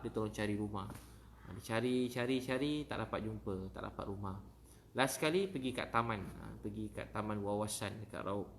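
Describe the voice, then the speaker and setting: A man's voice: on the low side, a little hiss or hum. A man with a Malaysian Malay accent giving a casual Ramadan talk as a preacher, telling stories and repeating his phrases. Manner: warm storytelling, repeats phrases.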